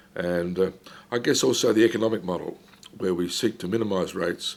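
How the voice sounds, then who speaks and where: A man with an Australian accent speaks in a very deep, low voice. His intonation stays fairly even and his pace is fairly quick. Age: 60s. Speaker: local mayor. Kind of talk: interview. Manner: halting, many fillers and restarts.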